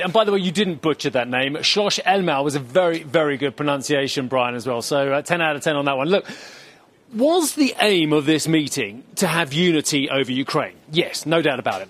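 A man reporting live as an energy correspondent, explaining with rhetorical questions in a brisk way. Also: fairly high pitch, fairly bright tone.

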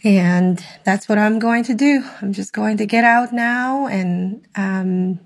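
Slow-speaking woman leaving a voice memo. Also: mid-range voice, creaky. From Albania. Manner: unhurried, with many fillers and soft laughs. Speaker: listener sending a voice message. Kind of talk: casual recorded voice memo.

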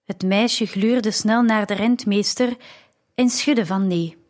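A woman narrating a story in the first person, with a slow, measured reading. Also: medium pitch, darkish tone. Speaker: audiobook narrator.

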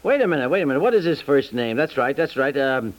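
A man's voice: medium pitch, big pitch swings, quick pace, close to an everyday voice. An American man playing a fussy, exasperated suburban husband in a 1950s radio comedy, sputtering and repeating himself. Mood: flustered recognition.

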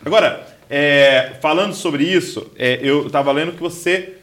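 A man's voice: on the high side, moderate pace, fairly bright tone. A man with a Brazilian accent hosting a podcast in casual chat, explaining informally with slang and rhetorical questions. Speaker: podcast host.

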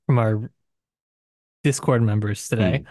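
A man's voice: lowish voice, a little slow, darkish tone, no echo, clean studio sound. A man co-hosting a podcast, talking casually and discursively about literature, with hedges and asides. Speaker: podcast co-host.

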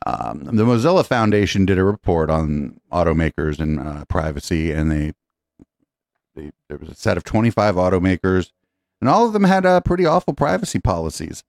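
Deep-voiced guy rambling thru tech news, lots of uh and you know, dry sound. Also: very animated, a little fast, gravelly, a little mellow, no echo. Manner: rambling, joking, many fillers. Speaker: podcast panelist presenting news stories. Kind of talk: casual tech news chat.

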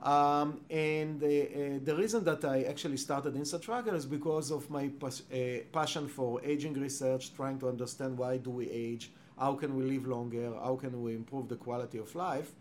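Israeli-accented man, halting with fillers. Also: mid-range voice, steady tone, darkish tone, a little hiss or hum. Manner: halting, many "uh" fillers, non-native grammar. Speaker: company founder and chief science officer. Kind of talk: interview answers.

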